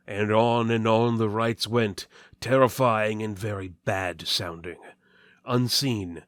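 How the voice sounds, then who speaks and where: A man narrating a mock-epic fantasy tale as a dramatic reading, theatrical and solemn with deliberate emphasis. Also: mid-range voice, dry recording, studio quality. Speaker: story narrator.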